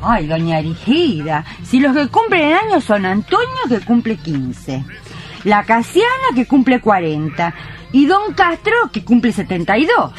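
A woman's voice: on the high side, huge pitch swings, a little slow. An actress playing an earnest, tender working-class woman with an Argentine accent in a radio play, speaking expressively. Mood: deferential, correcting. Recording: music playing behind the voice.

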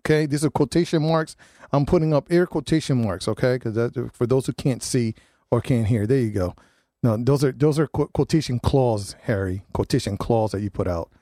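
A man hosting a morning radio show, chatting in an animated, joking way and laughing often. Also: medium pitch, normal speed, no room sound, clean studio sound. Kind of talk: casual morning radio banter.

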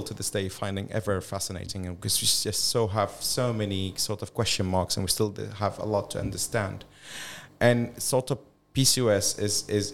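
A middle-aged man from Belgium and Syria, a gynecologist guest on a podcast, speaking with many restarts and fillers. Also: sits low. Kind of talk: podcast interview.

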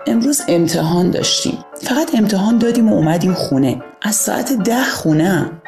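A woman's voice: mid-range voice, lively intonation, a little mellow, faint music behind, voice pushed up, lightly acted. A woman voicing a cocky teenage older brother in an audio storybook, teasing and self-assured.

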